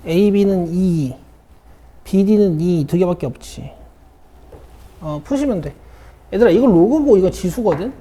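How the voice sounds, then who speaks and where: Her voice is lowish, dark, and expressive, unfolding at a measured pace with long pauses. She is a South Korean math teacher leading a lesson in an academy classroom, checking in with students as she works a problem, over slight background noise.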